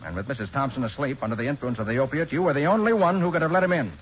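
An actor playing a shrewd, confident private detective in a 1940s radio drama, with an American accent and a brisk, pressing way of talking. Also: male voice, mid-range voice, slightly rough, lightly acted. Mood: pressing, accusing. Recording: muffled, noisy 1940s radio recording.

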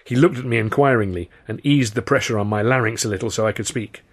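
A man's voice: fairly low pitch, fast talker, slightly rough. A man reading his own first-person novel aloud as an audiobook narrator. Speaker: author and narrator.

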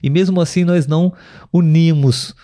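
A man hosting a live podcast language lesson, speaking patiently and repeating words slowly for learners, often checking with his listeners. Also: on the high side, steady tone, warm tone. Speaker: podcast host and language teacher.

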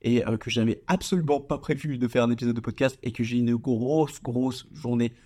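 A man's voice: medium pitch, fairly even intonation, moderate pace, dark tone. A young man hosting a casual solo podcast, informal and slangy, often stumbling and repeating words. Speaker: podcast host.

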